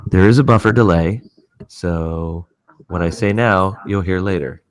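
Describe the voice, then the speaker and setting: A man's voice: low-pitched, unhurried. A man running a casual webinar sound test at the office, joking and playing with silly voices. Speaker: presenter testing a webinar.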